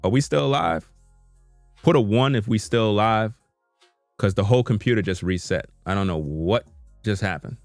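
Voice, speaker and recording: A man's voice: fairly low pitch, expressive, moderate pace, gravelly, long pauses, no room sound, soft background music. A man, talking to his viewers in an unscripted live stream from his computer, earnest and repetitive, with informal slang. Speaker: YouTube content creator. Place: home room at a computer.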